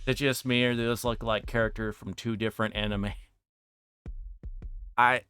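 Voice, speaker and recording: This man speaks at normal speed in a medium-pitched voice that's bright and forceful, though flat in delivery. He's livestreaming a visual novel, performing its text dramatically and chatting casually, with game music behind him.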